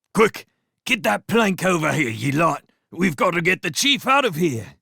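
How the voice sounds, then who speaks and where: A raspy, put-on character voice at a moderate pace. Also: man, high pitch for a man. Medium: read story. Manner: wheedling, rough.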